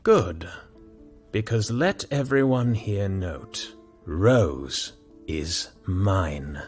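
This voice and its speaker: A man narrator voicing a stern, jealous king who speaks quietly and menacingly. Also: low voice, animated, very slow, soft background music, heavily acted. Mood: cold.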